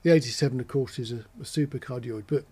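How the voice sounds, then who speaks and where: A man's voice: medium pitch, fast, darkish tone, breathy edge. A man giving a casual explainer as a presenter, talking in a matter-of-fact, conversational way, step by step. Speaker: presenter of an audio gear channel.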